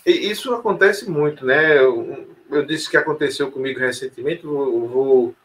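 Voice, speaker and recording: A man's voice: mid-range voice, normal speed, fairly bright tone. A man telling a personal story in an interview, hesitant, with many fillers and restarts. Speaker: interview guest. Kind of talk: casual storytelling conversation.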